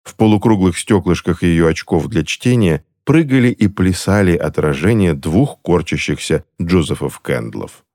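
A male storybook narrator with a very low, deep voice that still rises and falls with lively, theatrical expression. He reads in a measured, scripted style, giving each sentence weight. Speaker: audiobook narrator.

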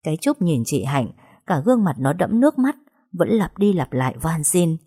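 A woman telling a first-person story in a measured, dramatic reading. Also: sits low, sing-song, dark tone, breathy edge.

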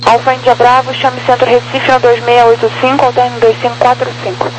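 A man's voice: very high-pitched, completely flat delivery, a little fast. A man working as an air traffic controller, giving terse procedural instructions over two-way radio, in the manner of police radio. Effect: two-way radio transmission. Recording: faintly noisy radio with hum.

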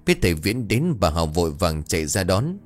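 A man narrating a scripted horror story in a dramatic, expressive way. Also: sits low, fairly quick. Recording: faint background music.

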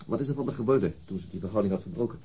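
An actor playing a police detective in a radio drama, asking probing questions in a formal, hesitant, husky manner. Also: male voice, lowish voice, lively intonation, racing, mellow. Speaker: police interrogator. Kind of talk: radio drama interrogation acting.

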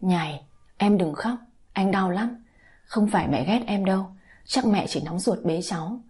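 A woman's voice: medium pitch, lively intonation, unhurried, husky. Việt, a woman voicing a torn young husband. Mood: gentle. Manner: soft, weary.

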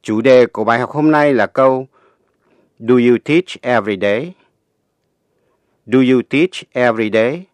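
A man teaching a language lesson on the radio in a measured, explanatory way, reading scripted narration. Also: mid-range voice, dry recording.

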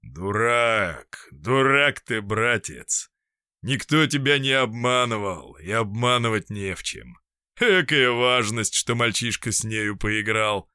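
A man voicing a gruff, condescending host who talks down to a guest. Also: mid-range voice, expressive, unhurried, sharp tone, dry recording, studio quality.

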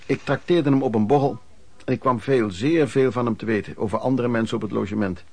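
A man's voice: mid-range voice, fairly quick, vocal fry, no room sound. An actor playing a former street peddler who frankly recounts his youth as radio play narration, in a conversational way. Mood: reminiscing. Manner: conversational storytelling.

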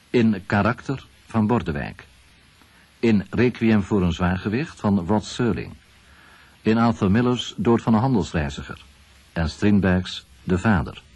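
A man reads scripted documentary narration as a radio presenter, in a measured, formal announcing manner. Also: on the low side, darkish tone, husky, dry recording. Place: 1970s radio production.

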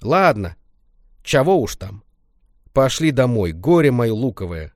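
Old village grandmother, loud and scolding, warm underneath, lively voice, dry close sound; a man acts her out. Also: medium pitch, unhurried, no room sound. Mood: softened chiding. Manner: shouting, folksy scolding.

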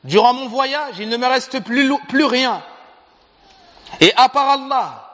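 Brief: a preacher doing a disguised angel begging softly, voice pitched up, dull echoey hall. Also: male voice, measured pace. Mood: pleading. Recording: reverberant hall, dull sound.

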